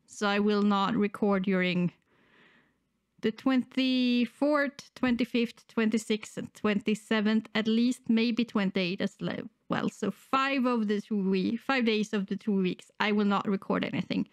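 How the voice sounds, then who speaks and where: A woman's voice: medium pitch, measured pace, smooth, no echo. A middle-aged woman who is sick and slightly wheezy, chatting casually and hesitantly to camera as a reaction channel host, close on a desktop microphone. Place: indoors, small room at home.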